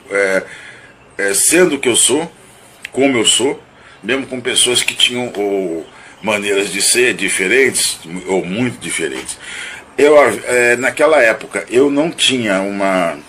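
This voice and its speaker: In a reflective spoken monologue, a Brazilian man from Rio de Janeiro recounts his own dream and picks it apart. His mid-range voice is bright-toned yet halting, full of restarts and repeated words as he hedges thoughtfully and analyzes himself, with slight background noise behind him.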